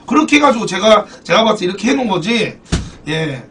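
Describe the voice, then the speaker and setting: A man's voice: high voice, fast talker, far from the mic, a little hiss or hum. A man streaming a football card game, chatting casually with viewers, thanking donors and swearing in banter. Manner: animated, swearing, bantering with chat. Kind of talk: casual live-stream chat.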